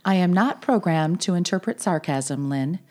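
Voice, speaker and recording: A woman voicing a calm, overly smooth, bossy car AI that speaks in an even, polite, machine-like way in a comedy sketch. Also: lowish voice, moderate pace, lightly acted. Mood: smooth, robotic. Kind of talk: comedy radio sketch acting.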